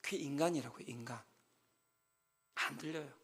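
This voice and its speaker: A man preaching a Sunday sermon as pastor, lively and emphatic, at times shouting as he acts out counseling talks. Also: fairly high pitch, moderate pace, vocal fry, breathy edge.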